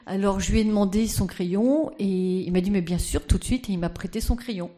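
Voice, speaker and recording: A woman's voice: mid-range voice, fairly quick, warm tone, close to an everyday voice. A woman doing an impression of a droll, cheerful elderly Danish woman with a strong Danish accent in French. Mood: teasing, droll. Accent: Danish, put on in French.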